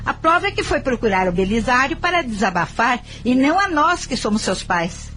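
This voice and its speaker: A firm, loving Brazilian mother in a radio drama. Her voice is high and her delivery earnest, pleading and theatrical. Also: big pitch swings, brisk, fairly bright tone, a little hiss or hum. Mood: reproachful, pleading. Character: hurt, firm, loving middle-aged mother and wife. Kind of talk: Brazilian radio soap acting.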